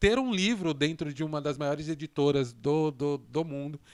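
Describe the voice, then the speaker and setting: A man with a São Paulo accent talks at a moderate pace, his pitch fairly high with ordinary variation. The recording is very clean, with a silent background. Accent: Paulistano Brazilian Portuguese. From Brazil, São Paulo periphery. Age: 30s. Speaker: podcast co-host and author. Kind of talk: casual conversation interview. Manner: hesitant, many fillers.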